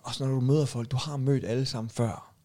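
A man's voice: mid-range voice, steady tone, warm tone. A man co-hosting a podcast, telling a story in a casual chat and laughing often. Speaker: podcast co-host.

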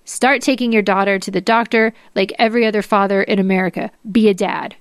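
A woman's voice: medium pitch, steady tone, fairly quick, smooth, dry recording, studio quality, lightly acted. A woman reading as an angry, fed-up wife scolding her husband, in a podcast dramatic reading. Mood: angry, exasperated.

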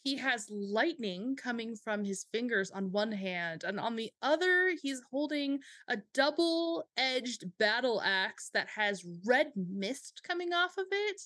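A woman's voice: on the high side, animated, slow, hardly any pauses, fairly bright tone, no room sound, studio quality. A woman playing a tabletop role-playing game, playful and giggly as she describes characters. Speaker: player. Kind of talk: casual tabletop play.

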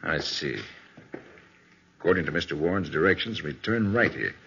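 An actor playing a shrewd, unflappable American private detective in 1940s radio crime drama, questioning briskly. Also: male voice, very deep voice, lively intonation, gravelly, a bit bright, slight background noise, heavily acted. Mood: businesslike. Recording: dull vintage 1940s radio recording.

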